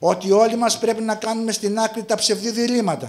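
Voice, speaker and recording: A man's high-pitched voice at a fairly slow pace. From Greece. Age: 60s. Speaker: business association president. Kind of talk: formal speech. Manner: formal. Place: hall. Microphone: podium.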